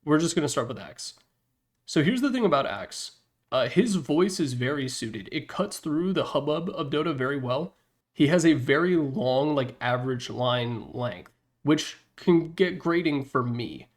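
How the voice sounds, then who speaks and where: Speaking informally with slangy emphasis, a male presenter offers casual, opinionated video game commentary while ranking game announcer packs. His voice is fairly high and animated, and he talks at a measured pace.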